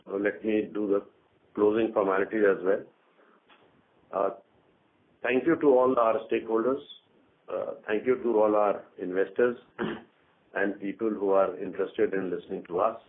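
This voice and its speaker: Low-pitched male executive on a phone line. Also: steady tone, normal speed. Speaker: company executive. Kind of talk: earnings call answers. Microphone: conference call phone line. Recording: narrow tinny phone line.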